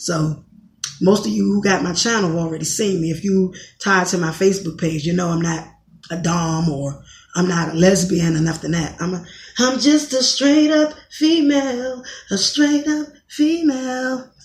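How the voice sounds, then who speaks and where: A woman with an American accent sounds somewhat breathy, her medium pitch making very wide swings. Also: moderate pace. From Washington DC. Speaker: YouTuber and social media commentator. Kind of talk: casual monologue vlog. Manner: animated.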